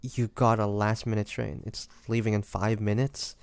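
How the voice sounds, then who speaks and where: A man playing an earnest, guilt-ridden demon hunter in an audio roleplay, speaking gently and haltingly to the listener. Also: lowish voice, level tone, creaky, clear, resonant tone, dry recording. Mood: urgent. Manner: hesitant, halting, soft-hearted delivery with pauses. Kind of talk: dramatic audio roleplay acting addressed to the listener.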